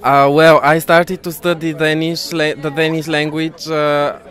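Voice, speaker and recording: A man's voice: fairly high pitch, little pitch movement, measured pace, fairly bright tone. A male student answering questions carefully outdoors. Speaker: student, interview guest.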